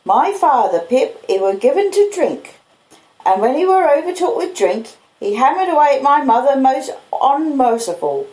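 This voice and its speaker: A woman's voice: high voice, big pitch swings, normal speed, a little mellow, roomy sound, voice pushed up, low-quality recording. A woman voicing a simple, kindly male blacksmith who tells things in an earnest, meandering way with rustic dialect. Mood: earnest, reflective.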